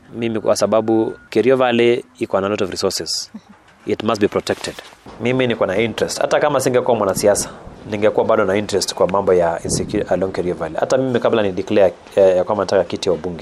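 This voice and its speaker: Noticeable background noise fills the recording. A man talks at a very fast pace. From Kenya, Elgeyo Marakwet. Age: 30s. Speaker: lawyer and parliamentary candidate. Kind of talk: interview.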